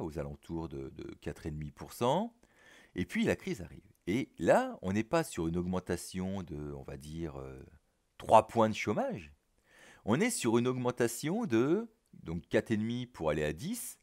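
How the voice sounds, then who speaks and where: Man, teacher, deep voice, animated intonation, recorded lesson, chatty, filler-heavy explaining. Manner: casual, chatty explaining with many fillers and asides. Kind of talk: recorded economics lesson over slides.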